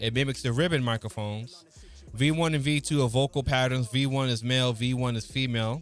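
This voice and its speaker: A man with a New York accent talks fairly quickly in an animated tone at a medium pitch, keeping his loudness very even. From New York City, Harlem. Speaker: livestreamer. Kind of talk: casual livestream chat.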